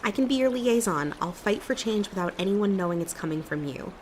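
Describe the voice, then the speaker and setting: A woman's voice: medium pitch, expressive, fairly quick, slight background noise, close to an everyday voice. A woman playing an earnest, determined young woman in an audio drama, with a persuasive manner. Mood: earnest, pleading.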